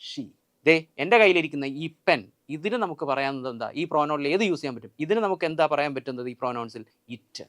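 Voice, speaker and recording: A man with a Malayali accent teaches an exam-prep grammar lesson in a high, clear voice. He drills lists aloud and keeps quizzing his viewers with the same question. The sound is dry and close, with no room echo. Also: animated, fast, fairly bright tone. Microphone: filmed by a camera operator.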